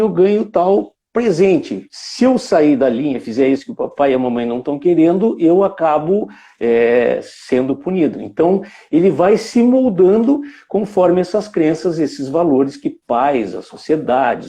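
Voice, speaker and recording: A man's voice: on the high side, lively intonation, normal speed, few pauses, dark tone. A man from Brazil giving a reflective live talk, musing aloud with frequent tag questions and restarts. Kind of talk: reflective spoken lecture.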